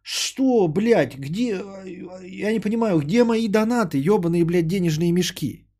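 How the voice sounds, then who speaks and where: A man's voice: high-pitched, animated, a little slow, warm tone. A man hosting a podcast, chatting casually with his live chat in a rambling, profane, worked-up way.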